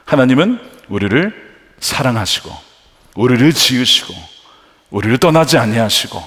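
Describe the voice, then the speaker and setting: A man's voice: fairly high pitch, fairly bright tone. A male pastor preaching a sermon with emphasis, posing questions to the congregation in a large church. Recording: long church-hall reverb.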